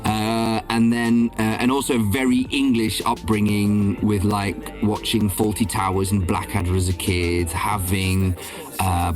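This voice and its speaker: Belgian man, low voice, rambling. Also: a little mellow. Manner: rambling, many ums and restarts. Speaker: guest, voice-over and casting director. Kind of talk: casual interview talk.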